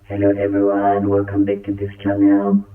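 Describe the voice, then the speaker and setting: A man's voice: on the low side, completely flat delivery, moderate pace, clean tone. A man giving a short channel greeting through a voice-changer filter. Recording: tinny, echoing, music behind.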